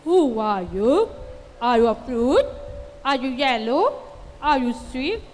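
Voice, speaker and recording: A woman with an Indian English accent speaking puppet dialogue for children in slow, simple, drawn-out phrases. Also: sits high, sing-song, a little mellow, slight background noise. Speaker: teacher-training participant. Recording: long hall reverb.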